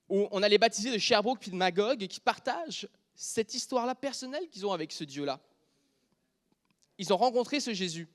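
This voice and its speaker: Quebec guy preaching, kinda high voice, goes soft then cracks jokes loud. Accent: Quebec French. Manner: shifts from quiet intimate speech to loud joking with the congregation. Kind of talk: sermon.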